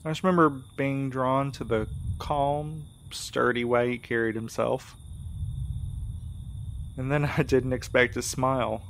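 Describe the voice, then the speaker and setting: A man acting in a fiction podcast as an earnest, gentle, anxious young courier, speaking sincerely and a little hesitantly. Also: medium pitch, steady tone, a little slow, creaky, slight background noise. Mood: tender.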